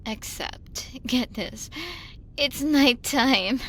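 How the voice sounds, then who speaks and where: A woman's voice: sits high, drawn-out words, a bit bright, a little hiss or hum, exaggerated voice. A woman playing a drunk, lonely young woman in an ASMR roleplay, rambling and giggling her way through a late-night voicemail with tipsy hesitations. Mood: wistful, rambling.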